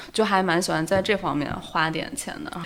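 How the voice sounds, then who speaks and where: A plain, everyday voice from a woman, medium in pitch, at a fairly quick pace with ordinary pitch variation. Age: 20s. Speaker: podcast panelist on career break. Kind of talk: casual chat.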